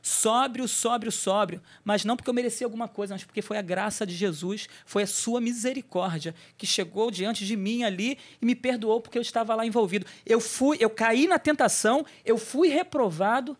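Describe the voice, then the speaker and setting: Guest testimony: a man, higher voice, lively storyteller who mimics the people in his story. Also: normal speed, few pauses. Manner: animated storytelling, acting out quoted voices. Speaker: church guest sharing a testimony. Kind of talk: personal testimony in a church talk show.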